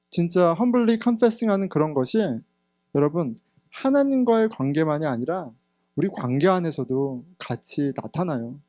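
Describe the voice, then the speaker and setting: Male pastor, 30s, sermon; fairly high voice, candid and personal, dynamic swings, dry sound. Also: no echo. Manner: candid storytelling, sometimes laughing, swings between loud and hushed. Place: church sanctuary.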